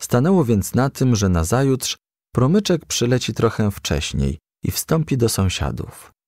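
A man's voice: mid-range voice, sing-song, unhurried, a little mellow, no room sound, clean studio sound. A man reading a children's story aloud as scripted audiobook narration. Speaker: audiobook reader.

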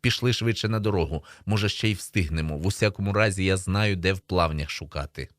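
A man's voice: low-pitched, quick pace, fairly bright tone, dry recording, clean studio sound. A man voicing a bossy, secretive, adventurous boy in a children's story, snappy and insistent. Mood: scornful, urgent.

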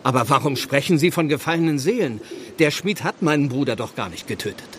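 An actor playing an earnest, self-righteous village reverend in a German radio play, with a solemn, formal and guarded delivery. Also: male voice, mid-range voice, lively intonation, brisk, a bit bright, lightly acted. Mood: uneasy. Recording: echoey stone church space, noisy background.

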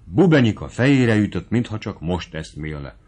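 A man's voice: lowish voice, very animated, a little mellow, husky. A man reading a classic novel aloud as an audiobook narrator, telling the story expressively. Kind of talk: scripted literary narration.

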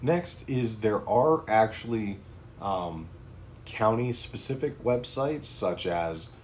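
Low-voiced man in casual home vlog. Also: lively intonation, takes it slowly, a little hiss or hum. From Pennsylvania, United States. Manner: informal, conversational, frequent ums and uhs. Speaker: prepping channel host. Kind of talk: casual talking-head vlog. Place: small home office indoors.

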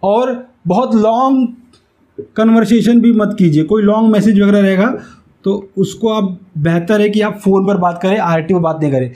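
A man teaches in a high, soft-edged voice. He explains things step by step as an instructor does, going back over key phrases so they stick. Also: moderate pace. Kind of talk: instructional whiteboard lesson. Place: small indoor room with whiteboard. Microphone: lapel mic.

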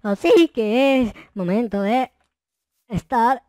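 A man voicing an excitable, mischievous, foul-mouthed young Minecraft noob, exclaiming and muttering to himself as he plays. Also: extremely high pitch, slow pace, dry recording, studio quality, heavily acted. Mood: suspicious, indignant. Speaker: gaming video host. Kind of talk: roleplay gameplay commentary.

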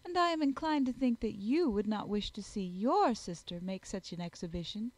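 A woman's voice: mid-range voice, lively intonation, moderate pace, no room sound, close to an everyday voice, low-quality recording. A woman voicing a haughty, catty young society lady in a storybook, affected, disdainful and emphatic. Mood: sly disapproval.

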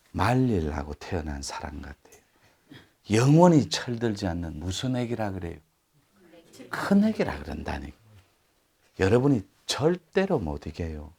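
A man giving a live lecture, talking straight to his listeners in an animated way. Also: low-pitched, creaky, slightly rough. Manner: animated, acts out quoted speech, addresses listeners directly.

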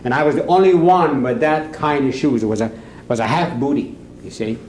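Older man, oral history testimony, mellow voice, lively storytelling, echoey archive recording. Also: medium pitch, fairly quick, slight background noise. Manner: animated storytelling, acting out the quoted shouting. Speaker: survivor giving testimony.

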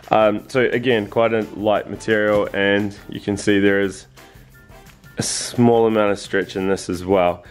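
A man in his thirties giving a casual, chatty product review in a living room, with lots of fillers. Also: on the low side. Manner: chatty, relaxed, many fillers. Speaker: vlogger. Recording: echoey room.

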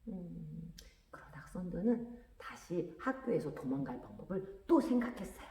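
Woman children's preacher, expressive storyteller, lively pitch, echoey hall sound. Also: normal speed, a little hiss or hum. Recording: echoey room with long reverb.

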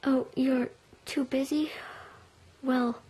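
A woman's voice: sits high, level tone, slow pace, warm tone, husky, full character voice. A girl doing a shy nervous schoolgirl. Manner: hesitant, whispery.

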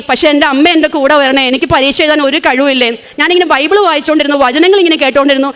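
A woman in her forties from Kerala shares her church testimony in a rapid, fervent rush. Her voice sits high for a woman and sounds bright and forceful. She stumbles and restarts often, full of emotion. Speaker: testimony giver.

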